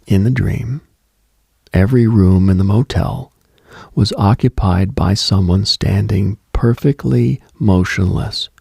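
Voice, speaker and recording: Very deep, gravelly male late-night radio host. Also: mellow, dry recording, clean studio sound. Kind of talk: scripted reflective late-night radio monologue.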